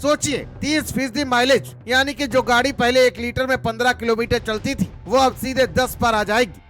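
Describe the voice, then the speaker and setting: High-pitched man, dramatic news voice-over. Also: steady tone, normal speed, soft background music. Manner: loud, sensational delivery. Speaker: news anchor.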